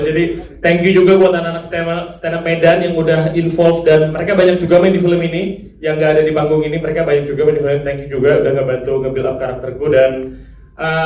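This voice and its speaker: A man's voice: on the high side, mellow. A man speaking casually at a press conference, chatty and often laughing, recorded in a large hall. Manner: chatty, laughing, mimics others' speech. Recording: echoey hall, mic far off.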